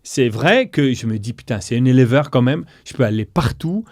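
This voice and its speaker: A middle-aged man being interviewed, telling a business story in a lively way and acting out the dialogue he quotes. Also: medium pitch, brisk, no echo, studio quality. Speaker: guest entrepreneur.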